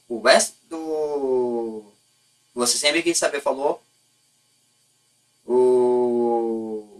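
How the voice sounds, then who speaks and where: A man's voice: fairly high pitch, a bit bright, recorded from a distance, poor audio. A man with a Brazilian Portuguese accent giving casual, unscripted opinions in a blunt, colloquial way, often stopping to rephrase himself. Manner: blunt, colloquial, lightly profane. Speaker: YouTube host.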